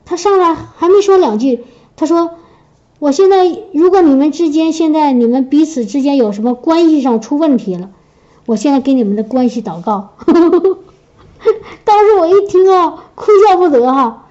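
A woman's voice: sits high, brisk, mellow. A middle-aged woman telling a personal church testimony in a chatty way, with many restarts. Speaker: church member giving testimony. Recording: dull lo-fi recording.

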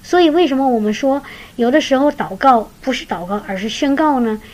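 Telling her faith story in an earnest, sermon-like way, this preacher repeats words often as she goes. She has a high, expressive, slightly mellow voice and talks fairly quickly, though the audio is poor.

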